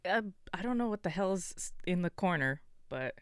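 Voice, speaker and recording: Clear-voiced woman with lively intonation. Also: fairly low pitch, normal speed, no echo, studio quality. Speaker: gaming podcast panelist. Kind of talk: casual chat.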